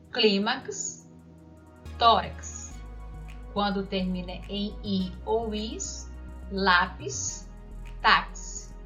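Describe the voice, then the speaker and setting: A woman's voice: mid-range voice, a bit bright. A woman teaching a grammar lesson to children, reading out example words and asking questions. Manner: slow, deliberate, spells out examples and asks questions. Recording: dull lo-fi audio with faint music.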